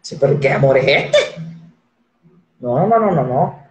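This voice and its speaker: A woman in her forties hosting a casual live-stream chat, animated and acting out the voices she quotes. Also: a bass voice, a little slow, echoey room, dull audio. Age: 40s. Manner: animated, acts out quoted voices, repeats words.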